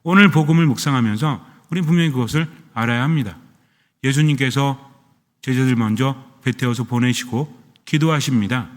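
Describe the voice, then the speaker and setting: A man's voice: medium pitch, brisk, in a large hall. A man, a Catholic priest, preaching a sermon who keeps asking his listeners questions and answering them himself.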